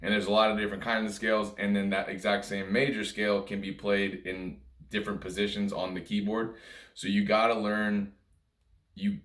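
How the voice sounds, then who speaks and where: A man's voice: low-pitched, a bit bright. A man giving an informal music lesson, explaining things step by step in simple, conversational terms, recorded indoors. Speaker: music teacher and video host. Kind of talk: informal instructional talk. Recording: roomy, echoey room sound.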